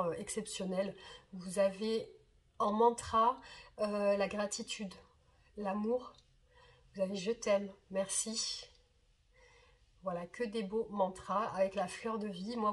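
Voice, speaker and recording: Woman, thirties, reader hosting her own channel; mildly hoarse and husky, halting delivery full of fillers. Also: medium pitch. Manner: hesitant, many fillers and repeated words. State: slightly hoarse from a cold. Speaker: tarot reader and channel host. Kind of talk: casual direct-to-camera chat.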